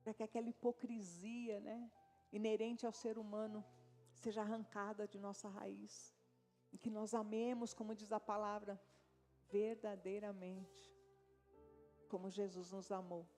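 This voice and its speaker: A woman's voice: mid-range voice, level tone, a little slow, mellow, soft background music. A woman pastor with a Brazilian accent, preaching a sermon in a conversational way with frequent tag questions and asides to the congregation. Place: church service.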